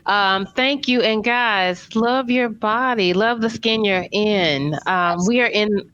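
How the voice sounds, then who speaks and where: A woman's voice: medium pitch, slow pace, fairly bright tone, muffled recording. A woman hosting a casual podcast chat. She talks emphatically and repeats words for effect. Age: 40s. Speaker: podcast host.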